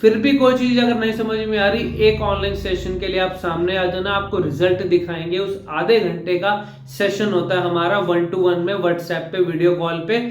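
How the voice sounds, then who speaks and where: Emphatic high-voiced male speech coach. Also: fairly even intonation, moderate pace, hardly any pauses, roomy sound, slight background noise. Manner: emphatic, repeats key points as rules. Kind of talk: instructional talk to camera.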